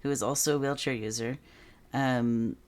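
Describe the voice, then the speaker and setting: A trans man hosting a podcast, asking questions in long relaxed strings and laughing easily. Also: mid-range voice, moderate pace, clean tone. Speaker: podcast host. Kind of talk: casual interview.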